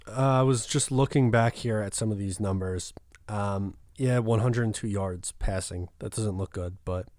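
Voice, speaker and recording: A young man hosts a casual sports podcast, rambling loosely with plenty of fillers. His voice sits low and mellow, and the recording is close and dry. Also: no room sound. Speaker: podcast host.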